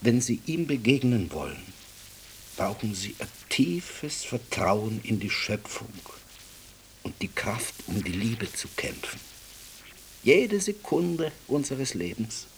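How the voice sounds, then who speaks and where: An actor in a radio play voicing a devout, impassioned Jewish man who speaks haltingly, at times dropping to a whisper. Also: medium pitch, sing-song, a little hiss or hum. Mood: humble, earnest.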